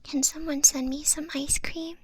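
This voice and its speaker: A woman's voice: sits high, steady tone, normal speed, no echo. A woman streamer whispering playfully and teasingly to her chat, close to the microphone. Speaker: VTuber streamer. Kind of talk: whispered ASMR-style live stream chat.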